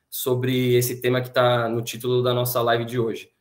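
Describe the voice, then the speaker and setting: A man at a moderate pace and medium pitch. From Brazil, Santos (São Paulo state). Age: 30s. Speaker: study group host. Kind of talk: live online talk. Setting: video livestream.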